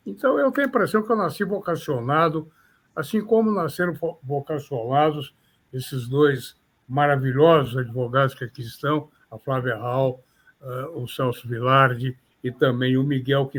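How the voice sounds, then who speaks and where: An older man from São Paulo with a São Paulo Portuguese accent, a criminal defense lawyer recalling his career in measured, formal interview answers. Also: medium pitch, a bit bright. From São Paulo, Brazil. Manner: measured, formal, slightly florid phrasing.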